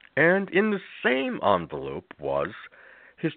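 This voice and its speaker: A man at a very slow pace. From West Virginia, US. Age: 70s. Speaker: retired banker and family history researcher. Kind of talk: interview. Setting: radio show, remote call-in.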